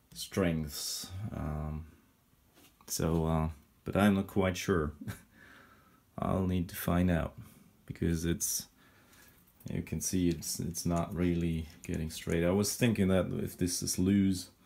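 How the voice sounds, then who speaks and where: The speaker talks at a very slow pace, with long, frequent pauses. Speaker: hobbyist maker. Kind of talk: casual DIY build commentary to camera. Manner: hesitant, many filler sounds. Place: home room. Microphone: phone near.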